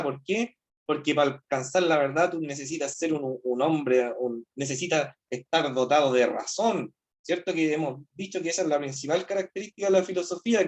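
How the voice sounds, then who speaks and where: Chilean guy teaching philosophy on a video call, voice on the high side, keeps asking the class rhetorical questions. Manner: explanatory, asks rhetorical questions, often says "¿cierto?". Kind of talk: online class lecture.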